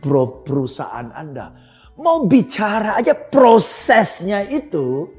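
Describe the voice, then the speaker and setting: A man teaching a customer service lesson, animated, laughing often and slipping into English phrases. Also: sits high, slow pace, faint music behind. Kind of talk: recorded training lesson.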